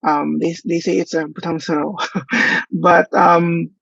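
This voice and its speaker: A man giving a thoughtful, hesitant conference presentation with frequent pauses. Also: a little high, level tone, vocal fry, fairly bright tone, no echo. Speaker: workshop presenter. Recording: dull lo-fi dry audio.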